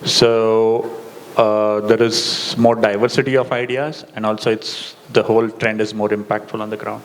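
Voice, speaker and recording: A man's voice: lowish voice, level tone, normal speed. A man from Karnataka with a South Indian accent, answering interview questions on stage in a hesitant, thinking-aloud way. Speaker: symposium panelist. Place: large indoor hall with audience. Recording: echoey hall, noisy room sound.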